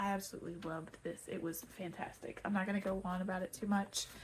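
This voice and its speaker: Soft-spoken and somewhat breathy, a woman with a medium pitch and a dark, mellow tone talks at a fairly quick pace with fairly even intonation. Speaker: book vlogger. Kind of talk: casual chat. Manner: quiet.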